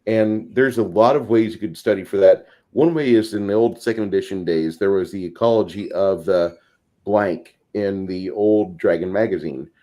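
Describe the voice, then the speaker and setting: A man's voice: deep voice, normal speed, mellow. A man in a casual panel discussion, explaining at length in wordy, slightly formal phrasing. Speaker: tabletop gaming discussion panelist.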